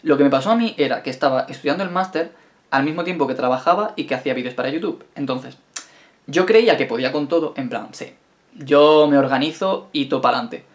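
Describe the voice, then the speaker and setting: A man's voice: fairly high pitch, fast talker. A young man in his twenties from Spain, speaking with a Spain Spanish accent, reads out viewers' questions and answers them in a chatty, wry, self-mocking way. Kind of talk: casual Q&A vlog.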